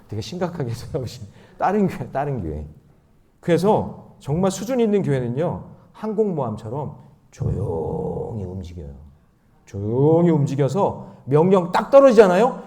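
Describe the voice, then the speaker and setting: Lively, high-pitched male preacher. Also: moderate pace. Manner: animated, swinging between loud emphasis and quiet asides; leads the congregation in reading scripture aloud. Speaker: pastor. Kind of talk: dawn prayer meeting sermon.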